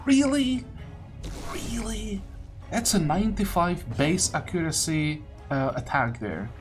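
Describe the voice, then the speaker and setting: A man's voice: sits high, animated, slow. A man giving casual gameplay commentary, hesitant and thinking aloud as he plays. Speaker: gaming video host. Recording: loud game music underneath. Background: video game music.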